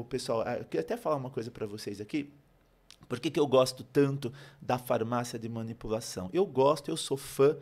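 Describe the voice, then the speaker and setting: A man's voice: mid-range voice, darkish tone. A man with a Brazilian accent speaking as a pharmacist guest on a health podcast, explaining in a didactic way with repeated phrases and rhetorical questions. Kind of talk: animated explanatory podcast talk.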